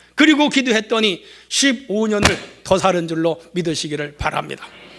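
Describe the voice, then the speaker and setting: Noticeable background noise sits under an animated tone with lively intonation, delivered at a moderate pace. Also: man. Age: 60s. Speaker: pastor. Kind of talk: sermon.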